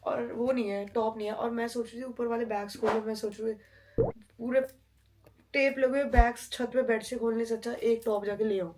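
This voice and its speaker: A woman's voice: a little high, fairly even intonation, fairly quick, noisy background. A woman vlogging in a chatty way, talking straight to her viewers while she cooks and shops. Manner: chatty, addresses viewers as guys. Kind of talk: casual vlog chat to camera.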